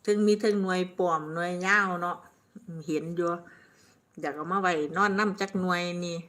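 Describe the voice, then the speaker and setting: A woman's voice: on the low side, fairly even intonation, a little fast, a bit bright. An older woman with an Isan accent from northeastern Thailand, chatting casually on a live stream, reading out viewer comments, rambling and laughing often. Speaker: livestream host.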